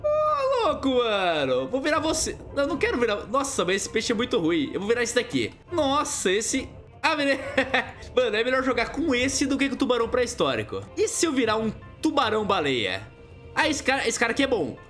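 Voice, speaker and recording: A young man with a Brazilian accent, giving excited let's-play commentary, yelping and laughing as he calls out to his viewers. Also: very high voice, brisk, faint music behind. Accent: Brazilian Portuguese. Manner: excitable, yelps and laughs, talks to viewers as "galera" and "manos". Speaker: gaming YouTuber.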